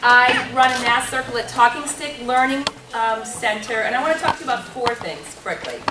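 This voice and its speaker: A woman speaking on a workshop panel, with a loud, lively voice and a storyteller's animated manner. She is a little high-pitched and is caught from far off in an echoey room, with clear background noise. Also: fairly quick, loud music behind the voice. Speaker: panelist, math circle leader. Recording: roomy hall sound from a distant mic, noisy.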